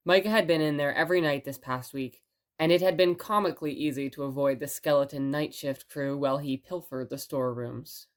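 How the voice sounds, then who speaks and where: An actress plays a woman hosting a fictional radio station, with a low voice. She is chatty and playful, with a wry, expressive way of telling a story, as in a scripted audio drama. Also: close to an everyday voice.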